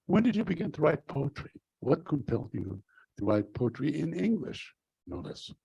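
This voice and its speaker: Older guy interviewing, low dark voice, raspy, slow and thoughtful, dry sound. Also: very animated, no room sound, muffled recording. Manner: measured, reflective, with "you know" fillers. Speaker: host, interviewer. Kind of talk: moderating a public conversation.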